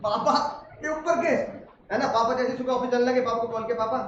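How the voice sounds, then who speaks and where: A man's voice: very high-pitched, fast talker. A male teacher giving a classroom lecture as a comic story. He laughs often and acts out family scenes. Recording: echoey classroom, distant mic, muffled, noisy.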